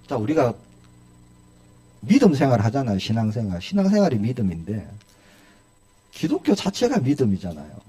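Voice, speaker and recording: A man's voice: medium pitch, mellow. A male pastor preaching a sermon in a church, asking his congregation one rhetorical question after another.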